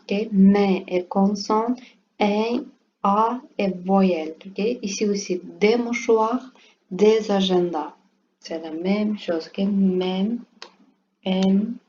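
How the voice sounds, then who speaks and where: Woman teacher, slow patient classroom explanations, warm low tone, muffled lo-fi recording with light hiss. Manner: repeats "ok" often, simple halting phrasing. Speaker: French teacher. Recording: dull lo-fi recording with faint room noise.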